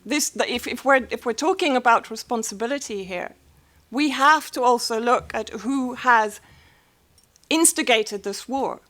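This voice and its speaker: A woman's voice: fairly high pitch, unhurried, a bit bright. A woman speaking on a press panel, firm and rhetorical in her argument.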